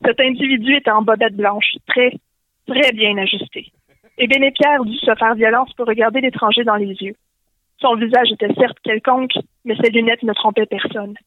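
A woman's voice: on the high side, fairly even intonation, normal speed, no echo. A woman with a Québécois French accent reading a comic story aloud over a phone call, in a playful way. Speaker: guest storyteller. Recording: tinny phone line.

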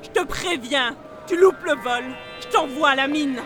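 A woman voicing a gruff, bossy mother of many kids who snaps at everyone, in a fan cartoon dub. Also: high-pitched, moderate pace, over music, natural voice.

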